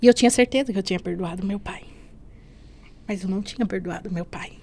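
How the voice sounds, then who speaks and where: A woman's voice: mid-range voice, fast, mellow. A woman from Brazil telling her personal faith testimony as a podcast guest, earnest and emotional, often adding "né?". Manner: earnest, often adds "né?" and "assim".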